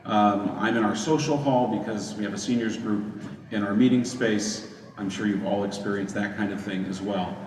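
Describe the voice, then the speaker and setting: A man's voice: on the low side, normal speed. A man from Canada talks through a demo in a loose, rambling way, full of fillers. His voice carries a big hall echo, with a long reverb tail. He sounds far from the mic, with faint room noise behind him. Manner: relaxed, rambling, many fillers. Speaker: presenter demonstrating a camera cart. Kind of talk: casual explanatory demo on a video call. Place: large social hall, indoors. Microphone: conference camera's built-in mic, from a distance.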